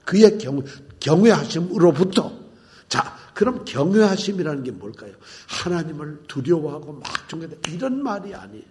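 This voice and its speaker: A man preaching a sermon, emphatic, asking the congregation questions and swinging between cries and quiet murmurs. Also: on the high side, very animated, a little fast, hardly any pauses. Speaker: pastor.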